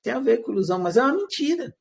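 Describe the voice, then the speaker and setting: A man's voice: extremely high pitch, very fast, vocal fry, husky. A man teaching a live class, asking his students questions and acting out everyday lines in quotes. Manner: animated, switches into acted quotes of everyday speech; rhetorical questions answered himself.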